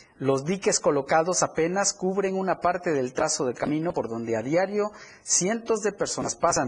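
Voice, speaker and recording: Speaking with a Mexican accent, a man uses a high pitch and lively intonation at a moderate pace. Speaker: radio news host. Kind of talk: news reading. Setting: studio.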